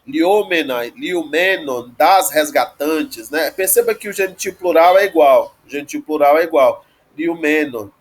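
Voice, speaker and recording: Male teacher, slightly higher voice, patient explanatory delivery, slows down to spell out word endings. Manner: explanatory, frequent "né?" tag questions, slow spelled-out word forms. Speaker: Greek teacher. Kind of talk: online grammar lesson.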